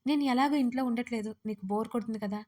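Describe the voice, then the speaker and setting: A woman's voice: fairly high pitch, quick pace, darkish tone, natural voice. A woman voicing a stern, possessive young husband in a romance audio story, curt and commanding.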